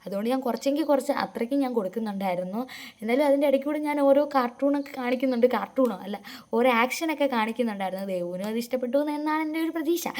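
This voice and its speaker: Woman vlogger, Keralite accent, quick rambling chatty voice-over, slightly high and mellow. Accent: Keralite Malayalam. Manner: chatty, rambling, frequent asides to viewers. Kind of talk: voice-over narration of a family vlog. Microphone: close voice-over mic.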